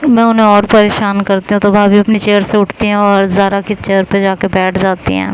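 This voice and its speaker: A woman's voice: mid-range voice, a little hiss or hum, rough recording. A young woman narrating a first-person audio story in a chatty way, repeating phrases.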